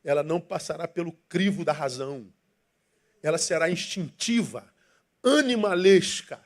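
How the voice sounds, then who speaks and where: Brief: male pastor, high-pitched, emphatic sermon delivery full of rhetorical questions. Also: animated, normal speed. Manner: emphatic and rhetorical, asking questions and leading the congregation in reading. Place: church.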